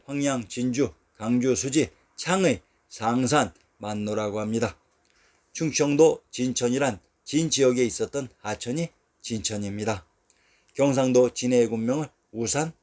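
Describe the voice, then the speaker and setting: Man calmly reading scripted history narration. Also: medium pitch. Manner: measured, steady reading of long lists of place names.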